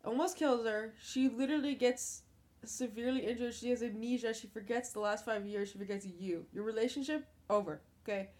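A woman co-hosting a podcast in casual chat, excitable, repeating herself and breaking into laughter. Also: on the high side, a little fast. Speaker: podcast co-host.

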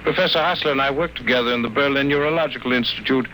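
Sinister male sanatorium doctor, actor's role, clinical and menacing, very forceful edge, 1950s radio sound with slight hiss. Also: mid-range voice, very fast, natural voice. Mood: smug, clinical. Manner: calm, clinical, coolly threatening. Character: cold, smoothly menacing sanatorium doctor conducting cruel experiments. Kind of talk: 1950s radio drama acting. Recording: noisy old 1950 radio broadcast.

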